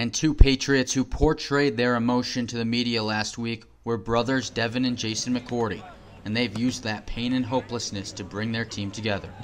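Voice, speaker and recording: Medium pitch and fairly even intonation from a man, a normal speaking voice moving at a moderate pace. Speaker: sports reporter. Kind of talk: TV sports news reporting.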